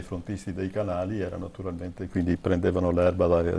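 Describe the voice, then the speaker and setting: A man speaks at a very fast pace. His voice is very deep and low, with a dark, mellow tone. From Veneto, Padua area. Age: 70s. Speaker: local flood-safety association member. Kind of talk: TV panel debate.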